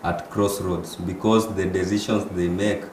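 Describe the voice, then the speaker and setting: Deep-voiced man, halting speech. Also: level tone, a little mellow. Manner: halting, repeats words. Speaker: panel guest. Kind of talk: political discussion. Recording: echoey room with faint noise.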